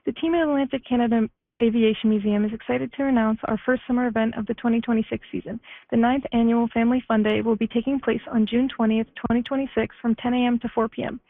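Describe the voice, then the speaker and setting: Woman staffer reading an answering machine message, tinny phone sound, slightly high pitch, even scripted read. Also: fast talker. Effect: answering machine voicemail message played on air. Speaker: museum staff member calling in an event announcement. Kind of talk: read-out community announcement. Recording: tinny phone line voicemail.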